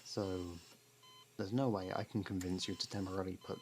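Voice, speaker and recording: A man playing a sardonic, guarded ex-prisoner who reluctantly worries about a partner, in a halting, intimate ASMR roleplay monologue. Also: deep voice, steady tone, a little hiss or hum, natural voice. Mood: dry, teasing.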